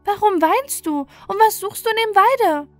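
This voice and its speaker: A woman's voice: very high-pitched, lively intonation, unhurried, fairly bright tone, no room sound, soft background music, pitched above the performer's own voice, heavily acted. A woman voicing a small, kind hare in a fairy tale, with an urgent, childlike delivery. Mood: gently curious. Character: small kind hare, quick and squeaky-high helper. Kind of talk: fairy tale storybook reading.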